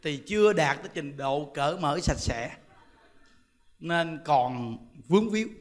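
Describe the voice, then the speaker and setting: A man's voice: a little high, lively intonation, measured pace. A man with a Southern Vietnamese accent, a Buddhist monk giving a humorous Dharma talk, chatty and joking as he tells stories and laughs often. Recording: long hall reverb.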